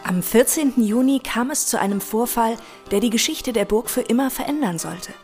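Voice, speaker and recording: Woman narrating over soft guitar music. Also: a little high, moderate pace. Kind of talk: scripted documentary narration.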